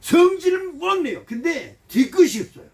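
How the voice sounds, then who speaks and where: A man in his seventies, a pastor giving a folksy, animated sermon and asking his congregation questions. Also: very high voice, normal speed. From Korea. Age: 70s. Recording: voice heard from some distance.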